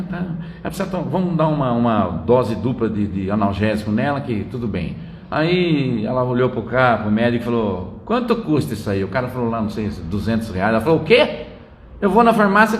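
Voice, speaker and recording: Older São man, lively storytelling. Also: mid-range voice, a little hiss or hum. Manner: chatty storyteller, tags lines with "né?". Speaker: spiritist lecturer. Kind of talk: informal spiritual talk with anecdotes. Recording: roomy echo.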